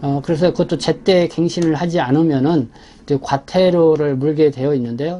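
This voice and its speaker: A man with a fairly high-pitched but soft, mellow voice presents a community news briefing. He explains each item in a semi-scripted way, halting and correcting himself as he goes. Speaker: host presenting a community newspaper's issue.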